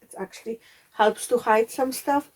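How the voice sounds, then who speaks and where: A woman's voice: a little high, steady tone, normal speed, darkish tone, a little hiss or hum. Chatty woman sewing vlogger, chesty voice. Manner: chatty, frequent fillers. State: recovering voice, a bit chesty. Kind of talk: casual sewing vlog. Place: home, converted cottage.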